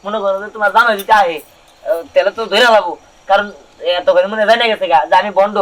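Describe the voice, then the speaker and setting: A man playing a hurried young eloping lover. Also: high-pitched, fairly bright tone, poor audio. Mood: urging. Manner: urgent, bossy. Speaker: actor in a village comedy short film. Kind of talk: rural comedy drama acting.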